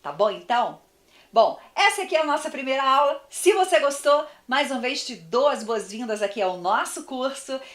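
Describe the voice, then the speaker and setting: A woman's voice: high-pitched, expressive, moderate pace, a bit bright. A woman teaching an online communication course, speaking straight to the viewer and acting out examples. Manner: didactic, addresses the viewer directly, acts out examples.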